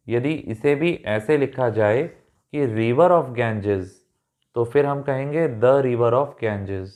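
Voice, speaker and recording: Indian english accent guy explaining grammar real slow, repeats stuff and checks you got it. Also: mid-range voice. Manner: patient, repeats points and checks understanding.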